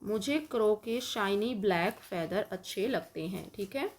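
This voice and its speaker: Slow, patient Indian woman teacher. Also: mid-range voice, a little hiss or hum. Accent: Indian English. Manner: slow, patient, dictating word by word and explaining each word. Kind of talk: online school lesson for young children.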